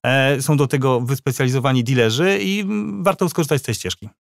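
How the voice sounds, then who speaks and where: Fast male speaker, dry close sound, agreeable explainer, company representative. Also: medium pitch, creaky, dry recording. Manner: agreeable and explanatory, often confirms. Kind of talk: conversational discussion.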